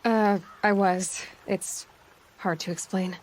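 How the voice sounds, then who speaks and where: A woman's voice: medium pitch, steady tone, takes it slowly. A young woman playing a determined, guarded young tribal huntress in a video game, with a direct, questioning manner. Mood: inquiring, direct. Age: young adult. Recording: music behind the voice.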